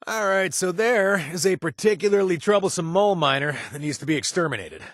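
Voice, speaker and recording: An actor playing a wry, sarcastic companion in a video game who hands out kill jobs, stammering and joking. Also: male voice, high-pitched, a little fast, dry recording. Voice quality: animated, sarcastic delivery with hesitant stammers. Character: wry young man, quest-giving companion, sarcastic and jumpy. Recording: dry studio sound.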